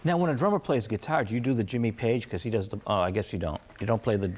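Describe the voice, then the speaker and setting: A man's voice: lowish voice, fast, a little mellow, a little hiss or hum. A man hosting a casual interview, chatty and interjecting with comments and questions. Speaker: interviewer, show host.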